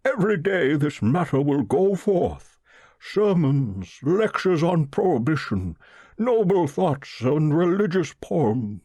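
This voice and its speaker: A man voicing a pompous, pious old millionaire with a solemn, slow drawl in an audiobook story. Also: a little high, big pitch swings, darkish tone, husky, no echo, pitched above the performer's own voice, full character voice. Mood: solemn, determined. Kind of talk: audiobook character voice.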